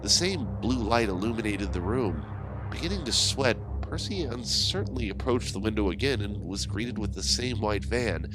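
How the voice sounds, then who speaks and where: A man hosting and narrating horror stories in a scripted, measured, theatrical manner, with deliberate phrasing. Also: on the low side, background noise. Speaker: horror anthology host and narrator.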